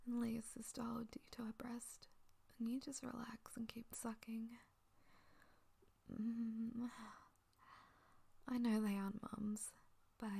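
Woman playing a hushed, breathy older sister. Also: fairly high pitch, full character voice. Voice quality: soft, often whispered. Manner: hesitant, tender, reassuring. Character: doting older sister, young adult woman. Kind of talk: intimate audio roleplay.

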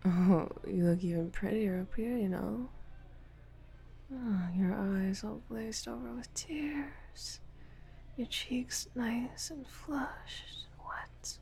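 A woman playing a dominant, taunting lover in an intimate audio roleplay, mostly in a husky whisper with a slow, commanding delivery. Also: on the high side, mellow. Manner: slow, teasing, commanding, profane.

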